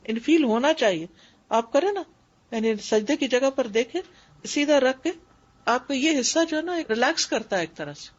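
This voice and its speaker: A woman's voice: sits high, animated. A woman teaching a class on prayer, explaining things step by step and repeating key points for emphasis. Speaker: Islamic studies teacher. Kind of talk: lecture on prayer. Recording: dull lo-fi recording.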